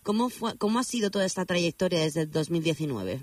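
High-voiced Spanish male interviewer. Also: expressive, brisk, dry recording, recorded from a distance. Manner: friendly, rambling questions with tag "no". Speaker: interviewer and journalist. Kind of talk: interview questions.

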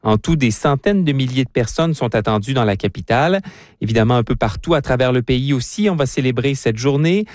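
A man's voice: medium pitch, a little fast, dry recording, clean studio sound. French Canadian man filing a news report. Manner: steady, formal reporting. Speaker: foreign correspondent.

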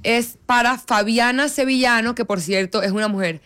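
A woman from Colombia co-hosting a casual chat show, talking in an animated, chatty way. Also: on the high side, clear, resonant tone. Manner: animated, quick, chatty, mimics others. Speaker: co-host.

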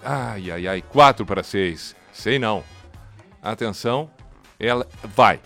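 A man with a Brazilian Portuguese accent hosting a live radio show, narrating an event as it happens in an excitable, urging way. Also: on the low side, slow, vocal fry, soft background music. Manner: excitable, urging, running play-by-play. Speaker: radio host. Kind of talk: live commentary chat.

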